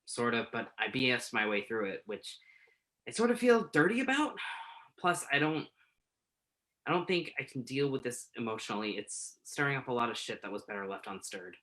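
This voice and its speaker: A man playing a conflicted journalist in a staged play reading, speaking naturalistically and haltingly. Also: mid-range voice, very animated, sharp tone. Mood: uneasy, conflicted. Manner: hesitant, halting. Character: Tuck, conflicted entertainment journalist man hiding his identity.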